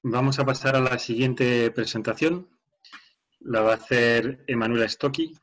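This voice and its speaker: A man's voice: medium pitch, fairly even intonation, normal speed, a bit bright. Guy moderating webinar, polite, thanks speakers, moves things along. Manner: courteous, introducing speakers.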